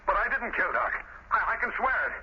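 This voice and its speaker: A nervous man accused of murder in an old radio drama. He stammers and pleads in a quick voice that jumps up and down. The sound is muffled, with light hiss. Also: high-pitched, sing-song. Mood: desperate pleading. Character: anxious male police employee accused of murder, pleading innocence. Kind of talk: 1930s radio drama acting. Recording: muffled, noisy 1930s radio recording.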